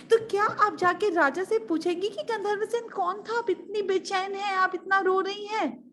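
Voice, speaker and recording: A woman voicing a nosy young maidservant in a children's story, fussing with shrill, squealing questions. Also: fairly even intonation, moderate pace, fairly bright tone, slight background noise.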